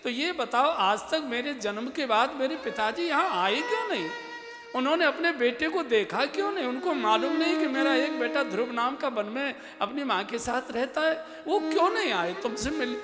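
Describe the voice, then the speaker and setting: A man's voice: extremely high pitch, expressive, normal speed, voice pushed up. A man voicing a young boy prince who pleads and asks tearful questions. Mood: insistent. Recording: echoey hall with music behind.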